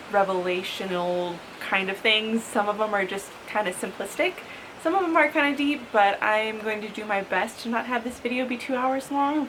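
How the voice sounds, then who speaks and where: A woman's voice: mid-range voice, fairly bright tone, slight background noise, low-quality recording. Chatty thirty-year-old woman vlogger. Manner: chatty, frequent "like" fillers, upbeat with light laughs. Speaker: lifestyle vlogger. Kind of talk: casual sit-down talk to camera.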